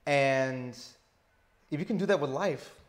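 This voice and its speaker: A man in his thirties with a stutter, talking slowly and deliberately as an interview guest on a lapel mic indoors. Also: medium pitch. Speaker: interview guest, teacher living abroad. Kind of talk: casual interview. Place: indoor lounge with sofa.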